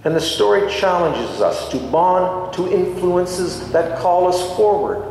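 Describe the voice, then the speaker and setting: A middle-aged man, a priest, giving a sermon in a deliberate, reflective way with pauses between short phrases. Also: high-pitched, animated, a little mellow, a little hiss or hum. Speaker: priest preaching a homily. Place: large stone church, indoors. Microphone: microphone on a stand at the lectern. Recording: very echoey church with long reverb.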